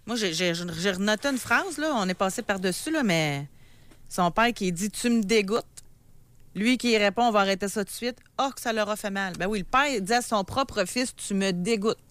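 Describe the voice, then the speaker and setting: A woman's voice: medium pitch, animated, normal speed, a bit bright, dry recording. A woman with a Quebec French accent hosting a radio talk show, chatting, thanking callers and introducing the next one. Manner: conversational, thanks callers and links segments.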